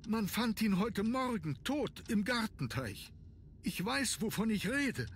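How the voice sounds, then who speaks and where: An actor playing an anxious, deferential manor butler in a video game, formal and agitated. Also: male voice, high voice, sing-song, a little slow, a bit bright, slight background noise, full character voice. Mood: agitated, distressed. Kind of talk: German video game voice acting.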